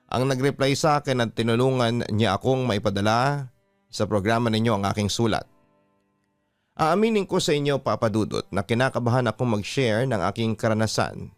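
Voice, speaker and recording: Filipino man narrating, clear, smooth voice. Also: medium pitch, no room sound. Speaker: host reading a listener's letter. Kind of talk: dramatic radio letter narration. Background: background music.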